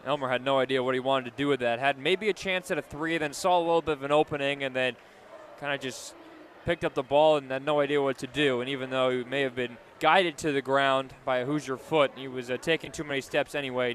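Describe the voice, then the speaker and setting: A man's voice: medium pitch, steady tone, quick pace, fairly bright tone. An American man giving live basketball analysis on the radio as a color commentator. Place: courtside at a basketball game. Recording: crowd and gym noise behind. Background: crowd, ambient gym noise.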